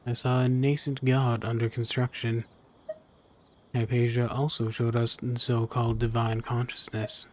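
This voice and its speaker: A man's voice: medium pitch, little pitch movement, unhurried, a little hiss or hum. A man playing a video game, reading the dialogue choices aloud. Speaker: game player.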